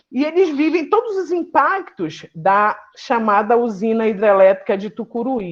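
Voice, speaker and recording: Her voice sits fairly high and swings very widely in pitch as this woman talks at a fairly slow pace. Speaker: university geography professor. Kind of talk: lecture.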